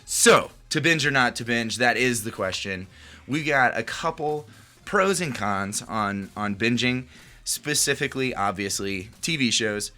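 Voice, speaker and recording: A man's voice: mid-range voice, lively intonation, a little slow, bright, forceful tone, soft background music. A man hosting a podcast in a loose, casual chat, with fillers and restarts. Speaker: podcast host.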